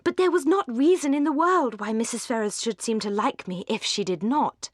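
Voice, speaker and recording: A woman voicing a gushing, scheming young woman in an audiobook, falsely sweet and triumphant, with a breathy, effusive delivery. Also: a little high, normal speed, dry recording, studio quality, natural voice. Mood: smug, insistent.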